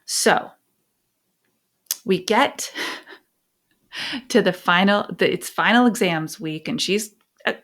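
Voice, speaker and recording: A middle-aged American woman sharing personal stories and parenting advice as a podcast host, phrasing things emphatically with deliberate pauses. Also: medium pitch, a bit bright. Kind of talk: conversational advice and personal storytelling.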